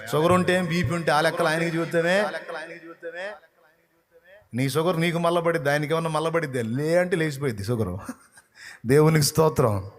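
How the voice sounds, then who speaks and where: A male pastor preaching a sermon emphatically, swinging between loud rebukes and low, earnest tones.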